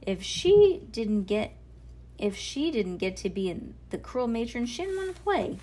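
A woman's voice: fairly high pitch, very animated, a little slow, mellow. A woman voicing a feisty, outspoken young girl with dramatic indignation, reading from a storybook. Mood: indignant.

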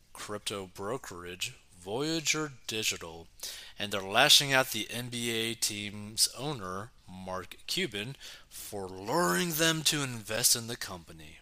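Bright-voiced man reacting to news. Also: on the low side. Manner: reads article, breaks off with excited reactions and many "like"s. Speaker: commentator reading and reacting to news. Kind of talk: casual news reaction commentary.

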